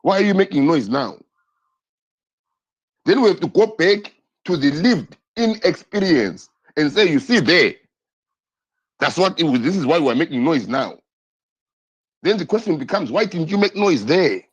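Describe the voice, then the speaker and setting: A husky, somewhat high male voice, animated and at normal speed with frequent pauses, hosts a political live stream. He speaks passionately, repeats himself, and fires off rhetorical questions, all in dull lo-fi stream audio.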